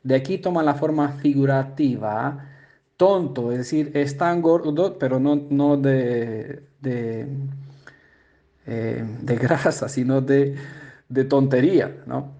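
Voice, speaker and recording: A man who speaks Spanish as a second language, explaining word meanings as a Bible teacher, pausing often with fillers and checking in with the listener. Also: medium pitch, mellow, lo-fi sound. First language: not Spanish. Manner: halting, many filler "eh" sounds and restarts, asks "¿no?" and "¿vale?".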